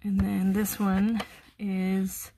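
A middle-aged woman talks casually as she unboxes finds, naming each item as she goes. The recording comes from a camera on a table in an indoor workroom. A clear bed of noise and clicking runs underneath her voice. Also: medium pitch, completely flat delivery, drawn-out words, mellow. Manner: chatty, narrates items as she unpacks them. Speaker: host of a resale channel.

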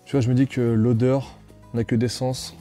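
A man's voice: mid-range voice, flat delivery, loud music behind the voice. A man in his thirties hosting, chatting casually in a playful, teasing way, in a small room. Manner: playful teasing, quick banter. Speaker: host. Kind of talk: casual joking chat.

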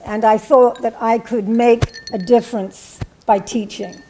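Older woman, from England, fairly high voice, reflective, hesitant ums, panel talk in a hall. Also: fairly even intonation, mellow, slight background noise. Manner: reflective, measured, with frequent ums and restarts. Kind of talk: personal recollection at a panel talk. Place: university hall with a seated audience.

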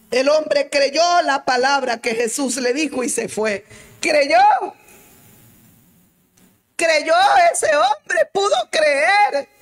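A woman evangelist preaching a sermon in a fervent, emotional way, her voice swelling toward tears. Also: a little high.

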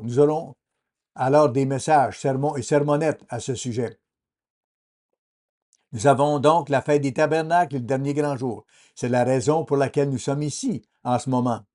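A man giving a translated sermon as a voice-over in a measured, earnest preaching manner. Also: medium pitch, warm tone.

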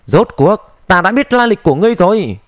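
A man voicing a steady young cultivator hero. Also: sits high, quick pace.

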